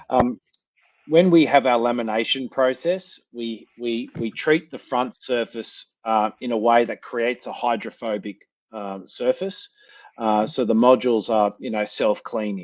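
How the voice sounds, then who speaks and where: Fairly slow speech from a man with an Australian accent. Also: medium pitch for a man, ordinary pitch variation. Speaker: solar company representative. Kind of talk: webinar Q&A answer. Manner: halting, many fillers and repetitions.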